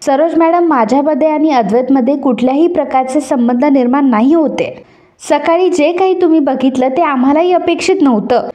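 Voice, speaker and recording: A woman's voice: high voice, a little fast, lo-fi sound, close to an everyday voice. A woman voicing a playful, teasing young wife in a retold soap story. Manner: chatty, teasing.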